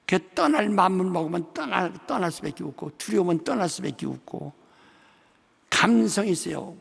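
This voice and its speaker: A man's voice: high-pitched, expressive, normal speed, vocal fry, husky. An older male pastor preaching a sermon in a large church, telling stories animatedly and acting out the dialogue. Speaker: senior pastor. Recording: long reverb of a large sanctuary.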